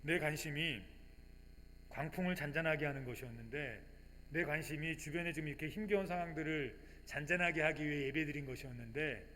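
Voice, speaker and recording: A male pastor preaching a sermon with emphasis. He voices his congregation's questions in a casual tone and moves between quiet reflection and loud fervent declarations. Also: a little high, brisk, big-room sound, slight background noise. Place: church sanctuary.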